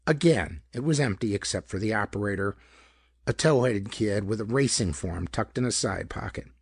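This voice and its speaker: A male narrator reads hardboiled pulp detective fiction. His voice is husky and moves widely in pitch, recorded very dry and close. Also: animated, moderate pace, no echo. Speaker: audiobook narrator.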